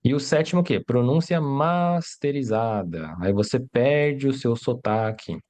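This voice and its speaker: In a livestream lesson, a man who learned Portuguese as a second language teaches Mandarin step by step, explaining and posing rhetorical questions while checking in with frequent "né?" and "tá?". His voice is mid-range and a little mellow, with lively intonation and a slightly slow pace.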